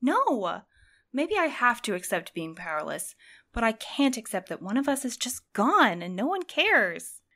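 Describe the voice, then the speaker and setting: A woman's voice: on the high side, sing-song, a little slow, a bit bright, heavily acted. A woman playing an anxious, determined, exhausted courier in an audio drama, earnest and strained. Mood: determined, upset. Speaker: actor in a fiction podcast. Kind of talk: naturalistic audio drama acting.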